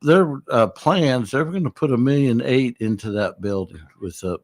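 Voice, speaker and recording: A man speaking as a mayor in a casual radio interview, folksy and a little halting. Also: mid-range voice. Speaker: town mayor as interview guest.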